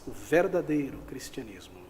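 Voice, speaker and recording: A man's voice: mid-range voice, very animated, moderate pace, darkish tone, long reverb tail, slight background noise. A man preaching an expository sermon as pastor, pressing his listeners with rhetorical questions.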